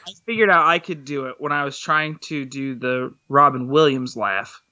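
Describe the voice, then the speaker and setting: A man chatting casually on a podcast, joking around and trying out cartoon voices in falsetto. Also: moderate pace, bright, forceful tone, smooth, dry recording, muffled recording. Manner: playful, does cartoon voice impressions in falsetto. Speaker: podcast co-host.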